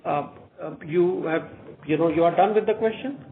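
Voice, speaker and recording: A man with an Indian accent speaking haltingly as a company executive on a corporate earnings call over a phone line. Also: fairly high pitch, vocal fry. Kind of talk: corporate conference call briefing. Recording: tinny phone line with faint noise.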